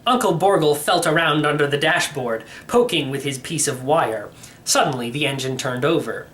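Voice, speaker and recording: A man reading a first-person storybook narration in an expressive, wry manner. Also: a little high, normal speed, slight background noise. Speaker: storybook reader.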